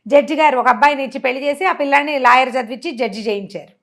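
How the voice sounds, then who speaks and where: Expressive woman storyteller with a higher-pitched voice. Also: rapid-fire. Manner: expressive, acts out characters' dialogue; mixes in English words. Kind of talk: conversational retelling of a novel's story.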